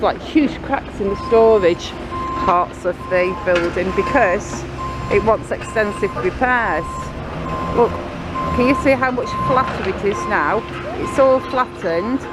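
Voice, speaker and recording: Chatty, sniffly woman narrating a site walk on a handheld camera, loud traffic noise behind. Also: medium pitch. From Blackpool, England. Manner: chatty, rambling, friendly asides to viewers. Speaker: local vlogger. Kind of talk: casual walking commentary. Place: outdoors by a building site and tram stop. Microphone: handheld camera filming as she walks. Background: passing cars and trams.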